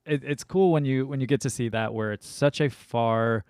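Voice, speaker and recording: A man hosting a podcast, chatting casually and telling lively stories with many fillers. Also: medium pitch, normal speed, clear, resonant tone, no room sound, clean studio sound. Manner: animated storyteller, many fillers. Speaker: podcast host. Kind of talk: casual conversation.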